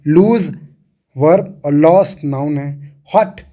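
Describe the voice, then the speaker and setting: Male teacher, slightly high, mellow tone, patient, repeats points for students. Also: slow pace. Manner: repeats and restarts words, asks the class questions. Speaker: English teacher. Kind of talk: explaining grammar to students.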